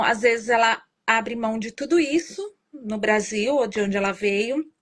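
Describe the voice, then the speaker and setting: Interview guest, Brazilian woman with a fairly high voice, earnest and explanatory, often tags "né?". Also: a bit bright. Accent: Brazilian Portuguese. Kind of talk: reflective interview conversation.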